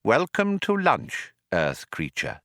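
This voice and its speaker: A man voicing a small, bossy white mouse in a storybook reading, with a high little voice and a sharp, formal manner. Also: huge pitch swings, takes it slowly, gravelly, dry recording, studio quality, heavily acted. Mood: bright greeting. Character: small imperious white mouse, brisk leader, curt.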